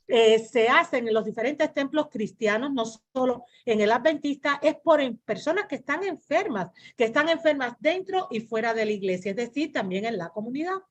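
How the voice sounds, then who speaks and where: A woman born in Cuba gives an earnest church talk on health over a video call, repeating phrases and pausing with "eh" as she restarts. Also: sits high. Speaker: guest speaker on health.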